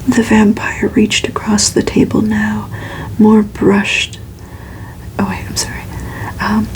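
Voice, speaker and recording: A woman softly whispering a novel aloud in a breathy, hushed, measured ASMR storytelling style. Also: mid-range voice, a little hiss or hum, poor audio. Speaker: ASMR reader. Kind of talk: whispered ASMR audiobook reading of a gothic novel.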